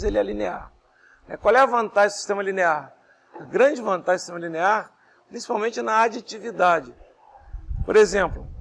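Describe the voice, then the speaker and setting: Male professor, hoarse and gravelly, higher voice, soft patient classroom delivery. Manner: explains step by step, asks the class rhetorical questions; speaks softly and not fast, pausing to breathe. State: hoarse, voice strained after illness. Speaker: university lecturer. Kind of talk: classroom lecture.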